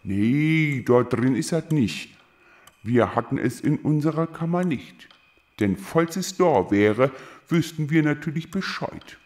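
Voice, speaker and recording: A man's voice: a little high, animated, takes it slowly, darkish tone. A man playing a dutiful, bureaucratic little creature in a children's audio drama, formal and matter-of-fact. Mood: unruffled. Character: dutiful, bureaucratic male storybook creature reading reports.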